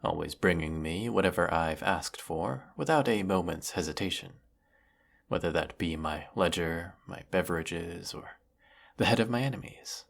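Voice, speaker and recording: An actor playing a weary, menacing galactic emperor in a sci-fi audio roleplay, speaking with pompous, theatrical formality. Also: male voice, normal speed. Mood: softened, teasing. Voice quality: low, gravelly. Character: weary, menacing galactic evil emperor, secretly fond of servant. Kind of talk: scripted audio roleplay monologue.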